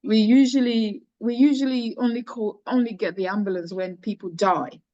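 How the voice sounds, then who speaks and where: A woman's voice: fairly high pitch, steady tone, normal speed, dark tone, no echo, muffled recording. Earnest woman telling her story. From Cameroon. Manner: earnest, storytelling with many restarts. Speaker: charity founder, guest. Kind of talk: personal story in interview.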